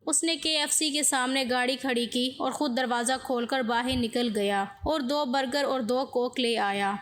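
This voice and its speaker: A woman telling a scripted first-person story, reading in a steady, even way. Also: sits high.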